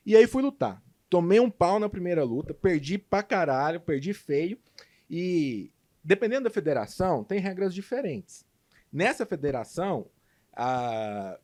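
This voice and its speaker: A man with a Brazilian Portuguese accent, a guest in a podcast interview, telling a personal story with animated, emphatic delivery. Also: on the high side. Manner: animated, emphatic retelling with lively swings in loudness. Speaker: guest entrepreneur.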